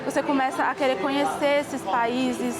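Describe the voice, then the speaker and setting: A young woman with a high voice talks earnestly and eagerly in an interview. Clear background music plays under her words. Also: level tone, moderate pace. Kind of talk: casual interview testimony.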